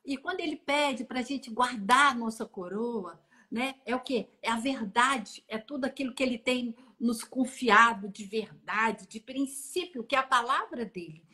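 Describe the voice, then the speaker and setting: A middle-aged woman telling an emotional testimony on a live stream, animated and acting out the voices in her story. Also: fairly high pitch, a little slow. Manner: animated, acts out dialogue and sounds. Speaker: guest sharing a testimony. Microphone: phone on an online live stream.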